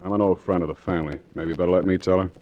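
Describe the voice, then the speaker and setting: A man playing a brooding man in a vintage radio drama, speaking low and stammering as he recounts a fatal crash. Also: steady tone, very fast, highs cut off, a little hiss or hum, natural voice. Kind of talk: 1940s radio acting.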